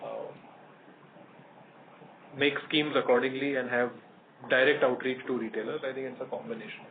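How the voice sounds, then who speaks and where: On an earnings call, a company executive with an Indian accent and a mid-range voice answers analysts in a measured, hesitant way. The audio comes through a noisy, narrowband phone conference line.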